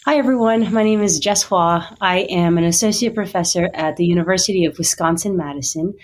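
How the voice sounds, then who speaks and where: A woman's voice: fairly low pitch, brisk, slight background noise. A woman professor introducing herself as a podcast guest, friendly, with some fillers. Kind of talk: interview self-introduction.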